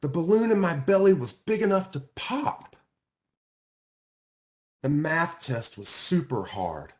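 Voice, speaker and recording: A man narrates a children's storybook with a very animated delivery. His pitch moves freely and his phrasing is emphatic, shaped for young listeners. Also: slow. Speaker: author reading their own children's book aloud.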